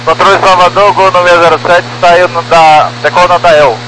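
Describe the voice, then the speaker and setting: A man, an airline pilot, making brisk, clipped calls to the tower over aircraft radio. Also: high-pitched, fairly even intonation. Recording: noisy radio transmission with hum.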